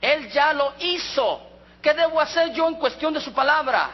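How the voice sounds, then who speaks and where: A man's voice: very high-pitched, animated, moderate pace. A Mexican man preaching a sermon as a pastor, often asking the congregation questions. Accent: Mexican Spanish. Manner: asks the congregation frequent rhetorical questions. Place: church hall. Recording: reverberant hall with dull sound.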